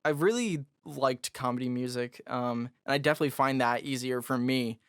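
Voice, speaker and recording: A man with a raspy, somewhat high voice, chatting loosely as a podcast guest. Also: fairly quick, no echo, studio quality. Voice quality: raspy, higher voice. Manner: loose and jokey, lots of fillers. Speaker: guest musician. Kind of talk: casual podcast conversation.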